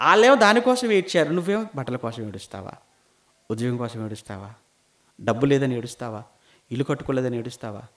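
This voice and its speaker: Animated preacher man with a high voice. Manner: emphatic preaching with rhetorical questions, rising and dropping sharply. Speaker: pastor. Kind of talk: sermon.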